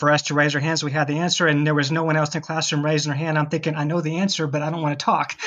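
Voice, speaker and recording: In a West Texas accent, a man talks with a fairly high pitch. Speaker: novelist. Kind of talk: interview conversation. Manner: halting, repeats words.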